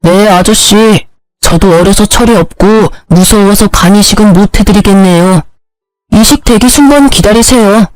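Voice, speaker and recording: A woman's voice: medium pitch, moderate pace, a little mellow, no echo, lightly acted, rough recording. A woman reading the part of a clever young adult son who speaks with cool, mocking politeness.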